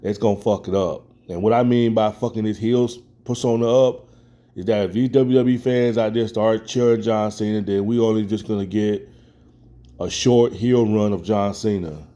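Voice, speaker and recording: A man's voice: lowish voice, fairly even intonation, moderate pace, mellow. An American man giving casual, opinionated commentary as a wrestling fan, in colloquial speech, often repeating phrases for emphasis.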